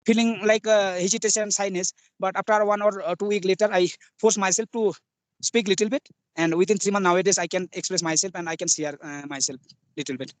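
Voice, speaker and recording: A man's voice: high voice, dry recording, low-quality recording. A young man from West Bengal with a Bengali accent, a Bengali speaker talking in simple learner English with many fillers, interviewed on a video call. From West Bengal, India. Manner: hesitant, many fillers, simple broken grammar. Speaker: soldier, English learner guest.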